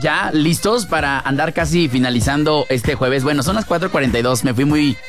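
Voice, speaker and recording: High-voiced playful Mexican radio host. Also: male voice, normal speed, fairly bright tone. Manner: playful, laughs often, sing-song exclamations. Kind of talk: casual radio chat reading listener messages. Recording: music under the voice. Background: music.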